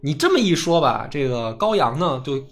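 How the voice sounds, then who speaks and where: A man, hosting a history podcast, retells court stories in casual, animated chat and swears now and then. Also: moderate pace. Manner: animated, jumps up in pitch for quoted lines, swears casually.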